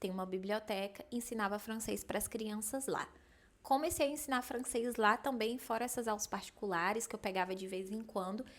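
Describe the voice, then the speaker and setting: A woman's normal speaking voice, pitched fairly high with ordinary pitch variation, carries along at a moderate pace. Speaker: French teacher. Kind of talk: personal storytelling vlog. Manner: casual, conversational.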